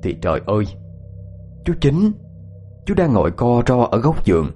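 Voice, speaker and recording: A man narrating a ghost story in a measured tone. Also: medium pitch, big pitch swings, warm tone, faint music behind.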